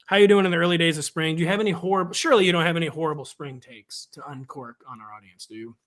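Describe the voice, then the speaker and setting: A man's voice: fairly high pitch, fairly bright tone. Wry joking man on a sports show. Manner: wry, joking, fast-talking. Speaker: podcast co-host. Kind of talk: casual sports chat. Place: home in the Midwest.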